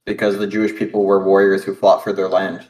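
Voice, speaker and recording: A man's voice: low-pitched, flat delivery, brisk, darkish tone, low-quality recording. A man chatting casually on a stream, giving opinions in a rambling way and fumbling for words. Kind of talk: casual chat.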